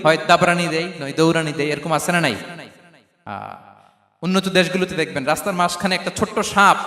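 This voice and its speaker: A man preaching a sermon, emphatic, swinging from hushed tones to shouts and quizzing his listeners. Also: high-pitched. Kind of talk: sermon to a crowd. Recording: echoey PA sound in a big venue.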